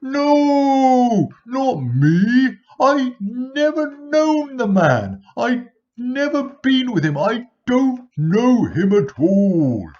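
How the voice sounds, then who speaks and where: A man voicing a frightened man who panics and loudly pleads his denials in a Bible storybook reading. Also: low voice, sing-song, slow pace, highs cut off, exaggerated voice. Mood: panicky denial. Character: frightened young man denying a friend.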